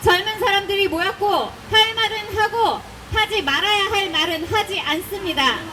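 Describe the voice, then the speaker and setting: A raised, projected voice with ordinary pitch variation comes through at a fairly slow pace over noticeable background noise. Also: woman, extremely high pitch for a woman. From South Korea, Daegu. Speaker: politician, party list candidate. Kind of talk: campaign rally speech. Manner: formal.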